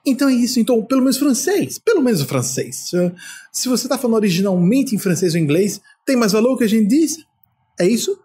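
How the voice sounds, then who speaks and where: A man's voice: high-pitched, very animated, fast, dark tone, husky. An older man from Brazil, a spiritual leader giving an emphatic talk full of rhetorical questions.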